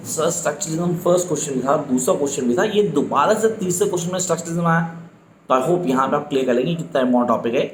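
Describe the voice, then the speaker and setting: A man teaching an exam-prep lesson, who reads each question out slowly, repeats it, then explains it quickly in mixed Hindi and English. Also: a little high, a little hiss or hum. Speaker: online tutor. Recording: echoey room.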